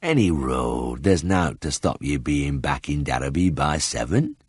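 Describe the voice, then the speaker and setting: A man voicing a slow-drawling old Yorkshire farmer with an unhurried, lazy manner. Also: rumbling low, expressive, slightly rough, dry recording, pitched below the performer's own voice, exaggerated voice. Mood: laconic.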